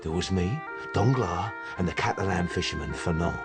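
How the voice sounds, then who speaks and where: An actor playing a shifty innkeeper who tells an old story in a hushed, conspiratorial voice, in a radio drama. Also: male voice, deep voice, normal speed, loud music behind the voice, lightly acted. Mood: recalling.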